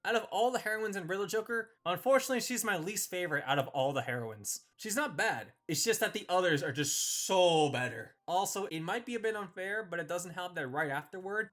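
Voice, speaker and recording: A casual video host delivers opinionated review commentary with a widely swinging, animated pitch. The voice sits at a middling height, and the phrasing is informal, emphatic and slangy. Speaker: video host ranking visual novel characters.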